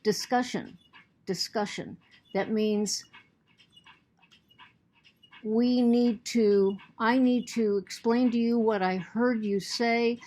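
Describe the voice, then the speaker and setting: A woman's voice: a little high, steady tone, slow pace, pauses often, mellow. A woman teacher giving a recorded lecture to her students, earnest, often repeating and restarting words, and she has the hiccups.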